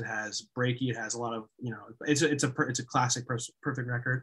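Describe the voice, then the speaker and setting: With an American accent, a man speaks at a medium pitch in a bright, sharp tone, his intonation flat and monotone. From Pennsylvania, Poconos. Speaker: metal band guitarist. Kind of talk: casual interview chat.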